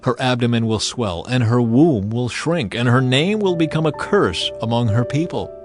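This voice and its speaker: A man narrating scripture as a dramatized audio Bible, solemn and measured, with deliberate phrasing. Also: mid-range voice, animated. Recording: music bed under the voice. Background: background music.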